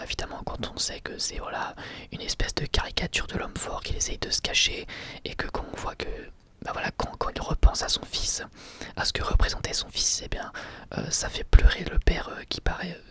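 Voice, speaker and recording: A man whispering a casual ASMR review, soft and hesitant, with many small pauses and fillers.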